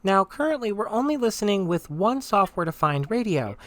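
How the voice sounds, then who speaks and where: Speaking fairly quickly in a sing-song, mid-range voice, a presenter narrates a software tutorial. Each step is laid out in an instructional but conversational manner.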